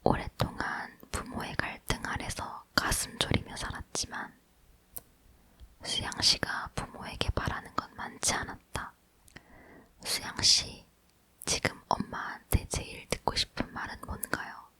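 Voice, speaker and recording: A woman's voice: a little slow, pushed and bright, dry recording. A woman reading a book aloud as ASMR, leaning in to whisper closely and breathily into a near microphone. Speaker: ASMR reader.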